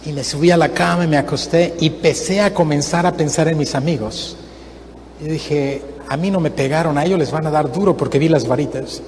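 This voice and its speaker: A man, a guest missionary, preaching a sermon and telling a story with lively acted-out voices in a church. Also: fairly high pitch, brisk. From Mexico. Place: church sanctuary. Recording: reverberant church hall, faint noise.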